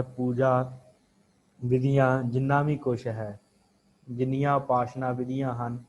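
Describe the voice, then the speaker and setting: A man teaching an online scripture class, slowly intoning each verse and then explaining it, repeating how words should be pronounced. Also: mid-range voice, a little mellow, slight background noise, rough recording.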